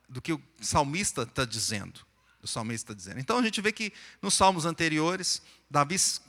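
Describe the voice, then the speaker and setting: A man's voice: a little high, sharp tone. A man with a Brazilian Portuguese accent, a pastor preaching a sermon in a church, explaining scripture in a conversational way. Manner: sings and chants psalm verses, then explains them plainly. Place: church sanctuary. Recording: echoey church hall.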